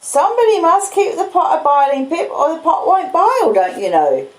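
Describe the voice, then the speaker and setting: A woman's voice: very high voice, very animated, moderate pace, echoey room, pitched above the performer's own voice. A woman voicing a simple, kindly male blacksmith who tells things in an earnest, meandering way with rustic dialect. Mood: earnest, explaining.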